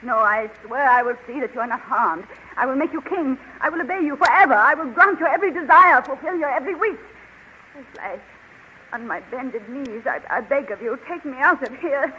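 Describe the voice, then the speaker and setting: A woman's voice: high voice, animated, a little fast, bright, forceful tone, highs cut off. A frightened pleading alien queen. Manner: pleading, theatrical. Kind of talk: 1930s radio drama acting. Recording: hissy 1930s radio recording.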